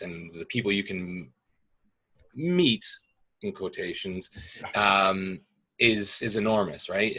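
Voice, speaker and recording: A young man casually explaining gaming on a call, relaxed and explanatory, with plenty of fillers. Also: sits low, husky. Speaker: guest speaking about gaming. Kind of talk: casual video call discussion.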